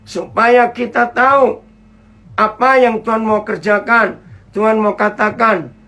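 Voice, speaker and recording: A man's voice: sits high, fairly even intonation, unhurried, pushed and bright. A man preaching a sermon over a video call, chatty, asking his listeners questions and greeting viewers as they join. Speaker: pastor. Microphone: computer mic on a video call.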